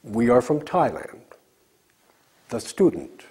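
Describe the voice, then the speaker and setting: A man leads a recorded English lesson, drilling short example sentences at a slow, deliberate pace. His pitch moves a lot as he models the phrases for learners to repeat. His voice is mellow and a little husky. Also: very animated. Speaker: English teacher.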